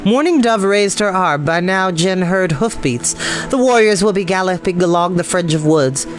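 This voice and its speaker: A man reading an adventure novel aloud as a storyteller, in expressive, dramatic narration. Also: sits high, normal speed. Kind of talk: dramatic audiobook-style narration. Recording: music behind the voice. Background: background music.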